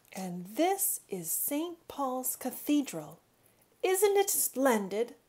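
In a put-on character voice, a woman speaks slowly at a high pitch, her tone slightly mellow as her pitch swings widely.

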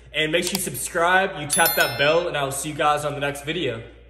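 A man's speech moves along fairly quickly. Noticeable background noise can be heard too. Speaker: fitness vlogger. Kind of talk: casual vlog chat outro. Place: kitchen.

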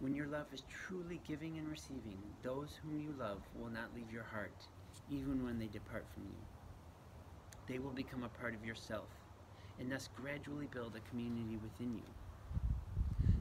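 With ordinary pitch variation, the man talks at a moderate pace while noticeable background noise is heard. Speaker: reader of a spiritual text. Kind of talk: reading aloud from a devotional book. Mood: calm, reflective. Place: garden. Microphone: phone near.

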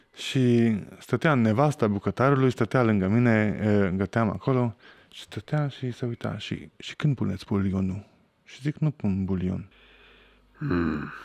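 A man with a Hungarian accent at a fairly slow pace, in a dry sound with no echo. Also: quiet background. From Szekler Land, Romania (Târgu Secuiesc); Romania. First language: Hungarian (speaking Romanian). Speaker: film crew member and cook; podcast guest. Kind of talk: casual chat. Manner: halting. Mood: relaxed, storytelling. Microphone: studio mic.

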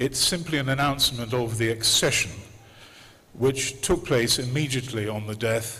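The speech moves at a fairly slow pace. Its pitch variation is ordinary. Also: man. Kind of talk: formal public address. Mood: solemn, formal. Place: street. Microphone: podium.

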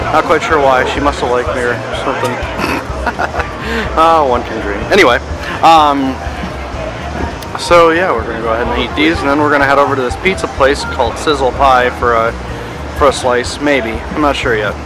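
A man speaking with long, frequent pauses, a dry sound with no echo and clear music in the background. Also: ordinary pitch variation, moderate pace. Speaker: travel vlogger. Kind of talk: casual vlog chat. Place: street. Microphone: phone near.

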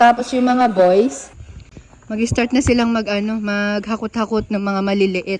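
A woman's fairly slow delivery carries fairly even intonation. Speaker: vlogger. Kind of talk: casual vlog narration.

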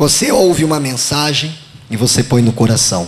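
This is a man speaking. His intonation is lively. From São Paulo, Brazil. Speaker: pastor. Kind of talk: sermon. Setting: church. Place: church. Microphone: handheld.

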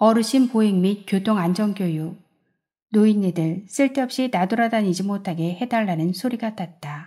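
A woman speaks at a moderate pace in a medium pitch with ordinary pitch variation and a dark, mellow, somewhat breathy tone, on a very clean recording with a silent background. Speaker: audiobook narrator. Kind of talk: reading aloud.

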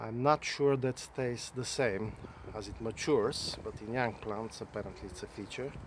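Recorded dry with no echo, a man speaks over light background noise. His pitch is medium with ordinary variation, and his pace is moderate. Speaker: gardening video creator. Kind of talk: casual garden tour tutorial. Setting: outdoors in a garden. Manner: light-hearted, rambling. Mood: light-hearted, relaxed. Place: garden. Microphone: phone near.

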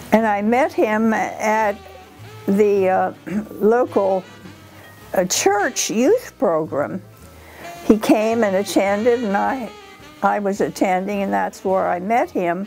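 Faint music plays in the background as a voice with an American accent moves at a very slow pace. The intonation is lively, and long, frequent pauses break it up. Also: woman. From Ohio, USA. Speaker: retired FBI clerk. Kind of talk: interview answer. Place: home room. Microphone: lapel.

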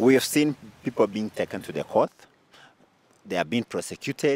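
Vocal fry runs through a man's medium-pitched voice at a moderate pace. The sound is dry, with no echo. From Kenya. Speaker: youth leader. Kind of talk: TV talk show discussion. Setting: TV studio. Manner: halting, repeats words. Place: garden. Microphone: handheld.

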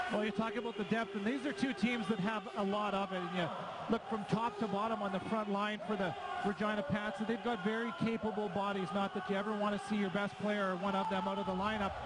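Noticeable background noise sits under a man talking at a very fast pace. His tone is animated and his pitch high. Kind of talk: live sports commentary (color analysis). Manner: animated, quick-paced, analytical.

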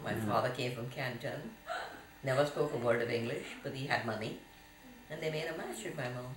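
Over noticeable background noise, a woman with a very deep, low pitch talks at a fairly quick pace, leaving long, frequent pauses. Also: ordinary pitch variation. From Guyana. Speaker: grandmother telling family history. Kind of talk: interview answer. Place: home room. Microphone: camera far.

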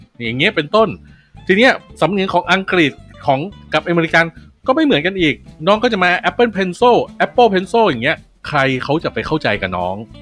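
Over music in the background, a high-pitched man speaks with lively intonation. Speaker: commentary channel host. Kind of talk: casual talk to camera.

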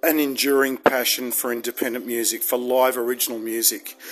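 The speaker is a man talking at a moderate pace. Music sits faintly underneath. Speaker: vlogger. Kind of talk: casual vlog chat. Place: home room. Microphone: phone near.

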